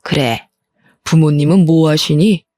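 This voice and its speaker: A woman's voice: deep voice, a little slow, dark tone, dry recording, voice pushed down. A woman voicing a haughty, scornful older mother-in-law in a spoken story. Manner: scornful, stammers in shock.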